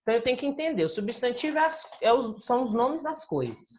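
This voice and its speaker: A woman's voice: a little high, big pitch swings, fast talker, a little mellow. A woman teacher, reviewing a recorded lesson and explaining with questions to her pupils. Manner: explanatory, asks the listeners questions.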